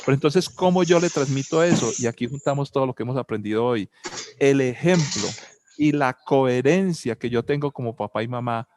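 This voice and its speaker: A man's voice: mid-range voice, a little fast, darkish tone. A man with a Colombian accent giving a reflective talk on family and spirituality, asking many rhetorical questions and telling personal anecdotes.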